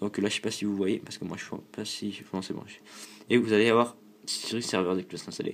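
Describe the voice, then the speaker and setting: In monotone, flat intonation, a man speaks fairly quickly at a fairly low pitch. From France. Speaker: tech tutorial youtuber. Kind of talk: tutorial. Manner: casual, hesitant.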